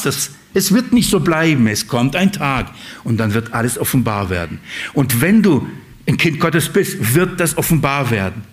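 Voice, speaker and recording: Conversational preacher. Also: male voice, a little high. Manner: conversational preaching, asks listeners questions; repeats and restarts phrases. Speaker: pastor. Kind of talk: sermon.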